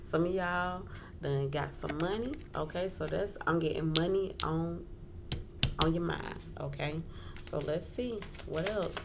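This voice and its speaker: A woman with a low voice, speaking a little slowly, hosts an informal tarot reading indoors at a wooden table. She repeats phrases and keeps checking in, and the home recording has clear noise.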